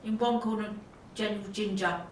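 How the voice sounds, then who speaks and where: A gladiator-fight announcer, played by a woman, declaring each line formally. The voice booms with heavy echo in an arena, buried in very loud noise and a roaring crowd. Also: steady tone, brisk, far from the mic, lightly acted. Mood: commanding.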